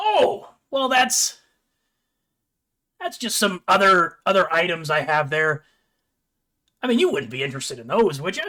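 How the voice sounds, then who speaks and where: A man puts on a raspy, high character voice at a moderate pace. His pitch swings very widely, his loudness jumps a lot, and he takes long, frequent pauses. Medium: actual play.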